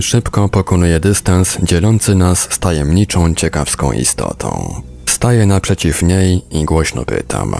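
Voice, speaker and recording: A man's voice: sits low, vocal fry, a little mellow. A man reading a book aloud as scripted narration. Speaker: audiobook reader.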